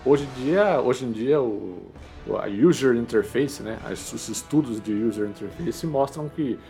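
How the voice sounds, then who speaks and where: A man's voice: medium pitch, expressive, unhurried, gravelly, warm tone, faint music behind. A Brazilian man co-hosting a podcast, chatting in an informal, colloquial way about games. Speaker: podcast co-host. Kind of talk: casual chat about video games.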